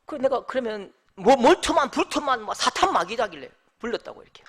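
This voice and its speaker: A middle-aged male pastor with a Gyeongsang Korean accent, preaching an expository sermon in an animated way that swings between hushed asides and loud exclamations. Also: very high-pitched, brisk.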